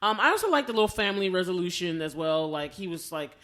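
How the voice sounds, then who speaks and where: A woman's voice: on the low side, sing-song, fast, a bit bright. An American woman co-hosting a casual film review chat, telling stories animatedly and acting out reactions as quotes. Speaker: podcast co-host.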